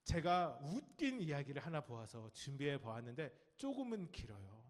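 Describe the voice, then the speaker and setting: In a church sanctuary, a Korean pastor delivers a Sunday sermon at a moderate pace, telling lively stories and acting out the lines of nagging adults. He addresses the congregation and children directly, and his sentence endings trail off soft and low.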